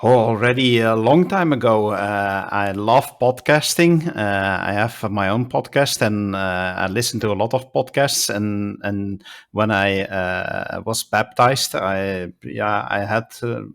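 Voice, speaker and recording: A man in his fifties with a Flemish Dutch accent, a native Dutch speaker talking as a guest in a relaxed interview. He speaks in a measured way and often pauses with "uh" while he searches for words. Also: on the low side, clean tone. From Belgium (Flanders). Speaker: guest, bishop. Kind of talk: casual interview conversation.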